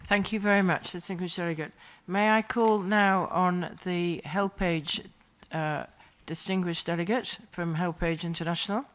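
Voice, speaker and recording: Smooth, low-pitched woman moderator. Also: fairly even intonation, normal speed, few pauses, poor audio. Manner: polite, firm about time. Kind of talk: chairing a panel. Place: conference hall.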